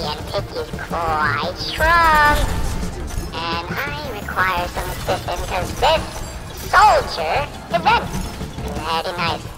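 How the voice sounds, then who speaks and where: A man commentating on his gameplay through a pitched-up voice changer. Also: poor audio. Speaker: gamer. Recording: loud game music and sounds behind. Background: shooter game music and effects.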